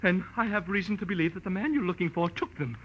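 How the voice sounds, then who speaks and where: A man's voice: sits high, fast, fairly bright tone, slightly rough. An actor playing an anxious, officious businessman's assistant in a 1940s radio drama, stammering and formal. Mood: prim, anxious. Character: nervous, fussy male executive's assistant, anxious and officious. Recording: muffled old radio recording.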